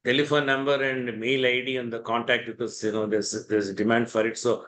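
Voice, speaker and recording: A man co-hosting an online session, asking questions politely and haltingly. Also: mid-range voice, flat delivery, a bit bright. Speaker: co-host.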